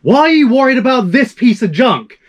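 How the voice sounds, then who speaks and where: A man voicing an irritated, scheming thief for a video game, with a gruff, scornful delivery. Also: extremely high pitch, sing-song, brisk, recorded from a distance, pitched above the performer's own voice, heavily acted. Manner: exasperated, sighing, scornful. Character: irritated, scheming male thief eyeing an opportunity.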